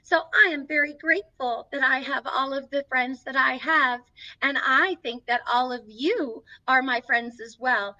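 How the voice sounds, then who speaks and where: A woman's voice: sits high, measured pace, sharp tone. A woman playing Snow White as a sweet, encouraging young princess, hosting a children's story time with sing-song, reassuring delivery, recorded from a distance with slightly dull sound. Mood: warm, encouraging. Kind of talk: children's storytelling, reading a picture book aloud.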